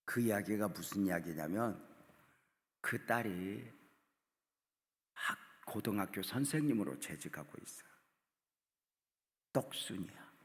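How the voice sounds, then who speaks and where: A man, an older retired pastor, tells stories in an early-morning revival sermon. His voice drops to a hush and then rises loud, and he acts out the people he quotes. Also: on the low side, animated, measured pace, pauses often. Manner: storytelling preacher, swings from hushed to loud, acts out quotes. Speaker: guest revival preacher. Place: church sanctuary. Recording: church sanctuary with long reverb.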